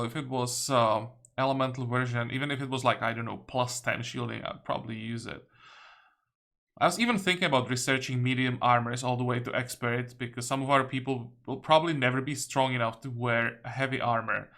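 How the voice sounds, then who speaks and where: A man's voice: mid-range voice, a little fast, vocal fry, pushed and bright. A man giving casual commentary while he plays a strategy game, thinking aloud and reading the game text out. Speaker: video game let's-player.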